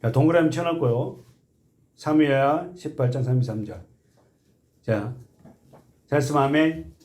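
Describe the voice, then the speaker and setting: A man preaching a sermon as pastor, emphatic and full of questions to the congregation, with folksy asides and led group readings. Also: measured pace. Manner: emphatic, swings between soft low asides and loud impassioned appeals. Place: church sanctuary.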